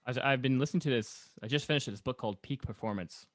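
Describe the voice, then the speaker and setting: A man talks very quickly in a mid-range voice, casually interviewing as a podcast co-host. He rambles informally, and the sound is close and dry. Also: mid-range voice, no room sound.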